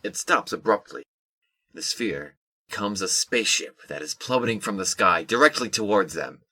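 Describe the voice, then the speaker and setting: A man narrating a scripted audio drama in a measured, descriptive storytelling manner. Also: on the low side, lively intonation, pushed and bright, no echo.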